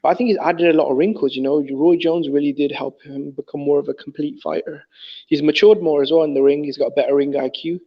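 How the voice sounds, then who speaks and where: A man's voice: on the high side, fairly even intonation, fast, dull audio. A man analysing boxing in casual chat, talking fluently and enthusiastically with many "you know" fillers. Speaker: boxing talk guest.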